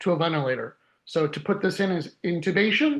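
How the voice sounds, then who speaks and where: Loud speech with lively intonation and an American accent plays over a quiet background. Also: man. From US, New York City. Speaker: speech language pathologist, lecturer. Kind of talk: lecture.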